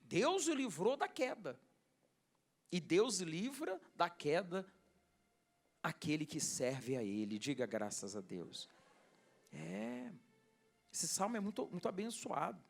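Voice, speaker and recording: A man's voice: sits high, big pitch swings, takes it slowly, gravelly, pauses often, faint music behind. A Brazilian man preaching a sermon to his church, reading scripture and calling out questions to the congregation. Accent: Brazilian Portuguese. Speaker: pastor.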